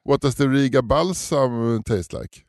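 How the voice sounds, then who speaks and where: A Swedish man co-hosting a podcast, halting with fillers and laughing often. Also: mid-range voice, a little mellow, no echo, studio quality. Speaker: podcast co-host. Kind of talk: casual comedic chat.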